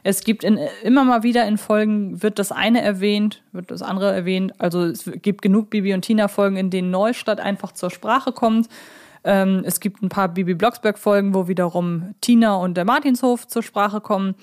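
A woman with a mid-pitched voice talks as a podcast co-host in a casual fan discussion. She is chatty and feels her way through sentences, hesitating as she looks for the right word. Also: fairly even intonation, normal speed, a little mellow.

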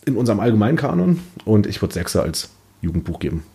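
Male panelist for casual review chat, dark relaxed tone with a raspy edge. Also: lowish voice, fast talker. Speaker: podcast panelist. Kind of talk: casual book review discussion.

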